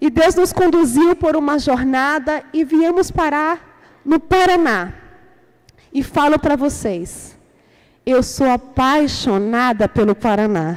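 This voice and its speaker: Very slow and very even in loudness, a woman speaks with a high pitch and lively intonation. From Brazil, Manaus, Amazonas. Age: 40s. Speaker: pastor. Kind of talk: sermon.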